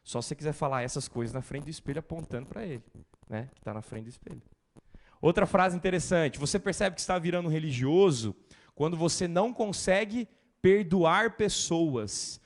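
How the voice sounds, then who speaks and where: A male pastor preaching a sermon in a lively way, mimicking complaining churchgoers. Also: on the high side, a little fast.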